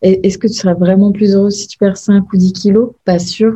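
A woman's dark, mellow voice, somewhat breathy, in a flat monotone. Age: 30s. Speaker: image coach and influencer. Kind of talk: podcast interview.

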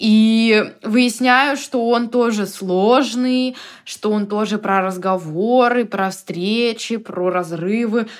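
A woman's fairly high voice with ordinary pitch variation, in a very clean recording with a silent background. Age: 20s. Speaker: podcast host and blogger. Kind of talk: casual chat. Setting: call with guest.

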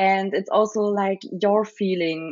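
With a German accent, a woman speaks at a fairly slow pace in a medium pitch. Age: 20s. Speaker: graphic designer and artist. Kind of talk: interview. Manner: hesitant, filler words.

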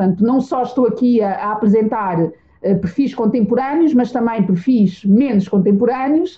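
At a moderate pace, a woman with a fairly high pitch speaks in a somewhat breathy voice with lively intonation. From Portugal. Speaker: journalist and author. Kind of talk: interview conversation. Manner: halting, many fillers.

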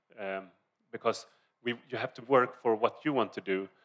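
A man with an ordinary speaking voice talks at a fairly quick pace and medium pitch, with fairly even intonation, in a dry, close sound with no echo. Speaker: director and choreographer. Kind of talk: panel presentation.

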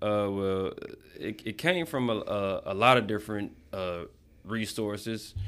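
At a fairly slow pace, a man talks in a fairly low pitch with an American accent. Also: ordinary pitch variation. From Atlanta, US South. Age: 30s. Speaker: entrepreneur. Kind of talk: casual interview.

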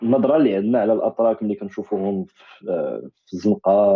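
A man's fairly low voice moves along at a fairly quick clip. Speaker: emigrant podcast guest. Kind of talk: casual interview.

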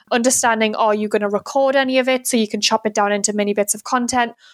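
This woman speaks very fast in a fairly high pitch. Her intonation is monotone and flat, and the sound is dry and close with no echo. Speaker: company CEO and podcast co-host. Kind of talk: interview. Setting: podcast studio recording. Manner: even, steady tone; articulate.

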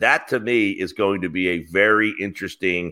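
Against a silent background, the recording is very clean. The man's tone is bright and sharp. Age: 40s. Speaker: sports radio host. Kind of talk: casual chat.

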